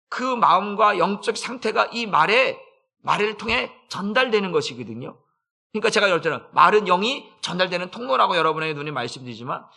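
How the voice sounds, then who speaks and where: A male pastor preaching a dawn sermon in church, swinging between loud, urgent bursts and soft, low asides. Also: vocal fry. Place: church sanctuary.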